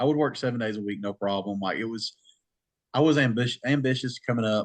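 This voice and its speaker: A man at a very fast pace with a Southern US accent, a medium pitch, ordinary pitch variation and a dry, close sound with no echo. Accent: Southern US (Georgia). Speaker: electrical contractor. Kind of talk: interview. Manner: hesitant, filler-heavy.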